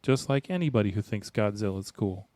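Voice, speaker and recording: A man's voice: fairly low pitch, expressive, a little fast, a little mellow, no echo. A man in his forties co-hosting a podcast, joking around as he reads listener comments. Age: 40s. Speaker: podcast co-host. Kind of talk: casual podcast chat.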